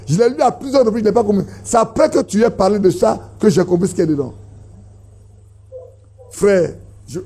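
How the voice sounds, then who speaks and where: Man, husky, mellow, emphatic preaching. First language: an Ivorian language. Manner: emphatic, rising in pitch to stress points, repeats phrases. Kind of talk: sermon.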